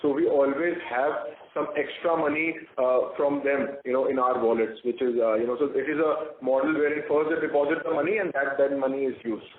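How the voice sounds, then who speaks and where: A man's voice: mid-range voice, steady tone, fairly quick, hardly any pauses, slight background noise. Echoey Indian man on a tinny phone line. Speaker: company executive answering investor questions. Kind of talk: earnings call question-and-answer. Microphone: phone conference call.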